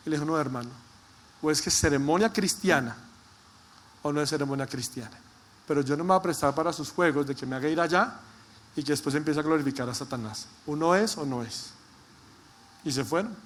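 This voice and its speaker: A man preaching a sermon as pastor, stressing points by repetition and slowing down to read scripture. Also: on the high side, slight background noise.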